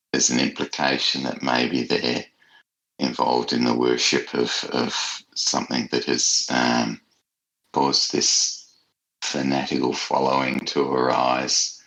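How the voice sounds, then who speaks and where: Very deep, gravelly male author. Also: fairly bright tone, rough recording. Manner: halting, measured explanations. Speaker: guest, fiction author. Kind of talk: thoughtful interview talk.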